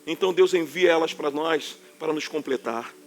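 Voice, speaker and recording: A man from Rio de Janeiro with a Carioca accent, preaching a sermon to his church in a forceful, emphatic way that can sound like scolding. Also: a little high, moderate pace, creaky, faint music behind. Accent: Carioca Portuguese. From Rio de Janeiro, Brazil. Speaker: pastor.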